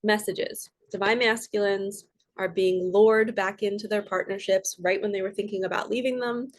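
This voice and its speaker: A woman's voice: medium pitch, steady tone, normal speed. Chatty woman, a bit froggy. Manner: chatty, rambling, earnest. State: a little froggy and nasal. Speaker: spiritual coach and tarot reader. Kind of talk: casual spiritual reading to camera.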